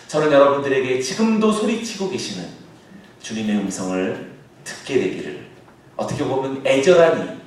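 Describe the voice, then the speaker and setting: A male pastor preaching a sermon, now and then bursting into shouted calls as he acts out a scene. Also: medium pitch, a little hiss or hum. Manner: acts out shouted calls across the water, then drops to a soft aside. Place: church sanctuary. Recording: echoey church hall, heard from a distance.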